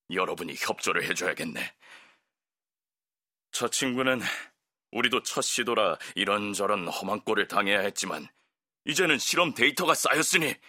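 A man's voice: on the low side, bright, forceful tone, heavily acted. A man voicing a gleeful, sadistic male lab director in an audiobook, with a mocking, condescending manner. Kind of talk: audiobook character voice.

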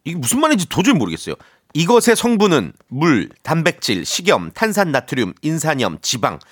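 High-pitched, very animated male game show host. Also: fairly quick. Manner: game show host announcing, reading out segments and prizes. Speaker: quiz presenter and co-host. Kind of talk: game show style radio quiz presenting.

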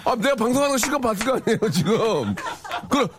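A man's voice: very high-pitched, background noise. A man hosting a live broadcast, joking and teasing guests in a bantering way. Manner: teasing, joking, fast and animated. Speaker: live show host.

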